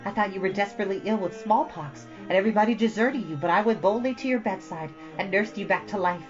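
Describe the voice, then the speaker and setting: A woman's voice: medium pitch, fast, dull audio, music in the background, pitched above the performer's own voice, lightly acted. A woman voicing an imaginative, dramatic young girl who talks in breathless run-on stories. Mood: gushing. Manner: breathless, run-on storytelling, theatrical.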